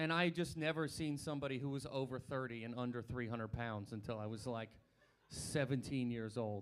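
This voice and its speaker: With an American accent, a man speaks at a fairly quick pace, his medium pitch showing ordinary variation. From US South, Montgomery, Alabama. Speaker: stand-up comedian. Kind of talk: stand-up. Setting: stage with audience.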